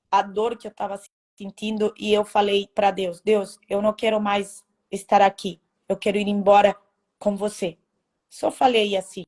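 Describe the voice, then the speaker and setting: A woman telling her personal faith testimony in a halting, emotional way, with many restarts. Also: fairly high pitch. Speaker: testimony speaker.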